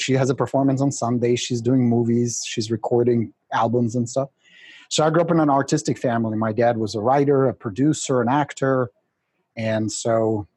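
Husky, exuberant man. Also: mid-range voice, darkish tone, dry recording. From Czechoslovakia. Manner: exuberant, jokey storyteller. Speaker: guest. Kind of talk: podcast interview.

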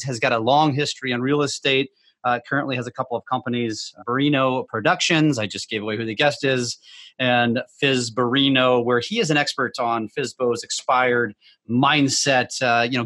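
A man hosts a podcast with plenty of enthusiasm, welcoming his guest in a middle-pitched voice. He sometimes stumbles and repeats words. The recording is dry. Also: a bit bright, no echo. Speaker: podcast host. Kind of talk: podcast interview.

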